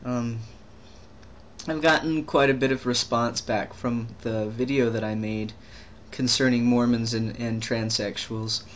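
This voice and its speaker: A young trans man talking casually in a video diary, rambling and halting with many restarts and fillers. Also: medium pitch, steady tone, lo-fi sound, slight background noise. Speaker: vlogger.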